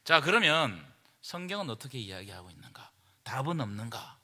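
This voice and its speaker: A man, a pastor, leading a Bible study lecture in an emphatic manner that rises to forceful preaching, recorded in a church hall. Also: medium pitch, sing-song, fairly quick. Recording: long reverb of a church hall.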